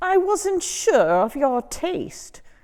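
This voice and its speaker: Using a put-on character voice, a woman speaks at an extremely high pitch with lively intonation. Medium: read story. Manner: warm, gracious.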